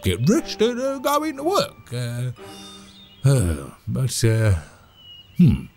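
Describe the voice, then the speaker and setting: Chirpy British handyman, wildly animated. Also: medium pitch, slow pace, faint music behind, heavily acted. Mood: forced cheer. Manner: rambling, stammering, nervous chuckling. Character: chirpy, timid British handyman putting on brave cheer. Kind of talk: audio drama monologue.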